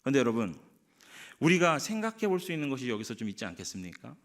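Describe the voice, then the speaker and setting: A man's voice: medium pitch, sing-song, quick pace, fairly bright tone. A man preaching a sermon as pastor, asking the congregation rhetorical questions and acting out quoted speech.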